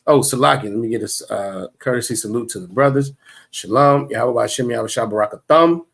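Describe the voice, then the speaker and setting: A man's voice: mid-range voice, a little fast, gravelly, a bit bright. A man teaching a livestreamed religious class, in a preachy, repetitive way with many fillers and restarts.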